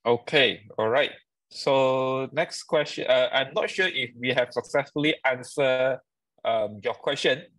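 A man's voice: mid-range voice, unhurried, fairly bright tone, no echo, rough recording. Male moderator, polite, hesitant, dry video-call sound. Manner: polite, hesitant, many fillers. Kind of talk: moderating a webinar Q&A.

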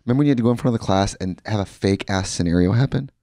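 A man in his thirties co-hosting a casual podcast chat, playful and quick with quips. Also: fairly low pitch, mellow, dry recording, clean studio sound. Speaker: podcast co-host. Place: small decorated studio indoors. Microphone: handheld mic.

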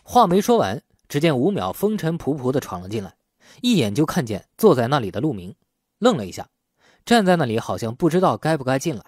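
A male narrator reads a novel aloud as a storyteller. His voice is husky and of medium pitch, with lively, wide-ranging intonation. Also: fairly quick, dry recording, studio quality. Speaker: audiobook narrator. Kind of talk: scripted audiobook narration of an urban crime novel.

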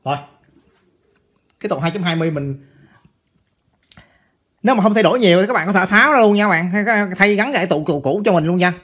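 A man's voice: high-pitched, animated, a little fast, long pauses, a bit bright. A man giving a casual hands-on electronics repair tutorial, chatty and repeating phrases as he talks to viewers.

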